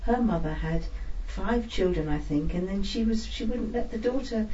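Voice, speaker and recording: A woman's voice: mid-range voice, normal speed, warm tone, muffled recording, a little hiss or hum. Woman sitter, stammering, distant and echoey. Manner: stammering, repeating words. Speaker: séance sitter. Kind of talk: casual chat at a séance.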